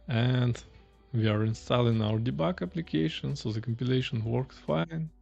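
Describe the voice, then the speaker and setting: A man's voice: mid-range voice, vocal fry, a little mellow, lo-fi sound. A man, chatting casually while live-coding and thinking aloud on a stream from a small room. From Russia. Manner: thinking aloud, chatty, reading chat questions. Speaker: streamer, indie developer.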